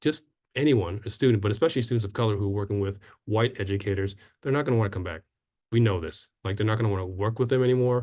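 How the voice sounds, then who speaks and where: With an American accent, a man speaks at a fairly quick pace, his voice somewhat breathy. Pitch variation is ordinary, and the background is quiet. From United States, Vietnamese Chinese American. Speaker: education researcher, presenter. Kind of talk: webinar presentation. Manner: fast.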